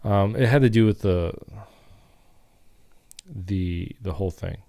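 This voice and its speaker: A young man with a very low, deep voice chats on a podcast. He rambles through his stories with plenty of fillers and restarts. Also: takes it slowly, dark tone. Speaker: podcast co-host. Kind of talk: casual chat.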